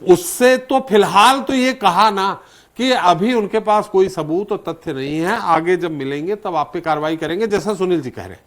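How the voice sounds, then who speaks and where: A man anchoring a TV panel debate, briskly moderating and cutting in to keep time. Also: high-pitched.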